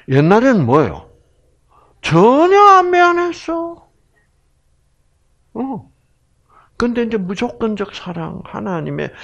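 A man's voice: fairly high pitch, gravelly, breathy edge, highs cut off. A man with a Gyeongsang accent giving a health lecture with religious themes, humorous and chatty, often putting questions to his audience. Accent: Gyeongsang Korean. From Gyeongsang region, Korea.

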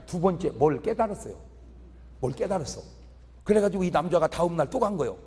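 A male pastor giving a humorous revival sermon in a large church hall, animated and chuckling through his lines. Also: high voice, fairly quick.

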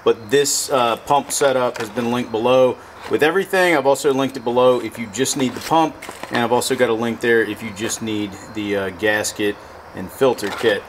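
A man with a mid-pitched voice talks through a motorcycle fuel pump repair one step at a time. His delivery is plain and practical, as if he is narrating while his hands are busy. There is a faint outdoor hum behind him. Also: normal speed. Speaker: motorcycle repair how-to host. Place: outdoors at a pickup truck bed workbench.

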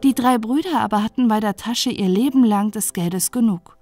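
A woman reading a dark bedtime fairy tale aloud in a calm, even narrating voice. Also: a little high, normal speed, faint music behind. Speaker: storyteller.

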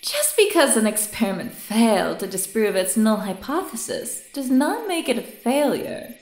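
A woman acts a haughty woman scientist in an audio drama. Her high voice swoops widely as she lectures in a condescending, wordy, theatrical way. The sound is roomy and echoing. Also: sing-song, normal speed. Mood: condescending, amused.

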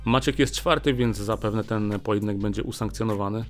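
A man's voice: on the low side, soft background music. Chatty man hosting a boxing news show. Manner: chatty, many filler "e" pauses. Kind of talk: casual news commentary. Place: small indoor studio with a boxing backdrop. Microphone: desk mic on a small stand.

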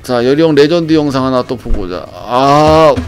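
Excitable thirties male streamer, loud, laughs a lot, headset. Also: medium pitch, normal speed, faint music behind. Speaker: game streamer. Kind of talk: casual live-stream chat. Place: small home room. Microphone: headset mic.

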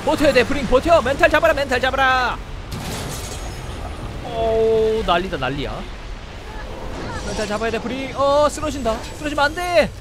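High-voiced excitable male game commentator. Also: moderate pace, pauses often, noisy background. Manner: shouts and exclaims, talks to the game creature. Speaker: game streamer.

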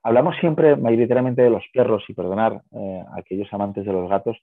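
A man talks on a thin, phone-like video call. His voice sits fairly low and is notably husky, with very little room around it. He explains things conversationally, punctuating them with little checking questions. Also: steady tone, brisk, no echo. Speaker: guest, pet-business co-founder.

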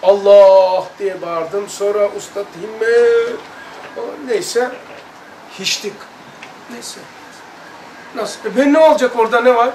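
A high-pitched man leads a religious study lesson in an earnest, emphatic way, stretching words and imitating sounds as he tells his story. He sounds far from the mic in a reverberant room, with a light hiss underneath. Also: animated, unhurried, long pauses. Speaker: religious study circle teacher. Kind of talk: recounting a personal experience and reading aloud in a study lesson. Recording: echoey room, distant mic, light noise.

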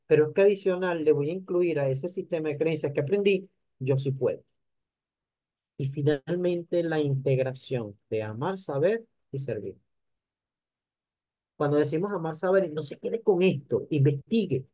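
An older man delivers an animated motivational lecture. His voice sits a little high yet sounds warm and mellow. It is recorded dry, with almost no room sound. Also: no echo. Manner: animated, addresses the audience directly. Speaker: conference speaker.

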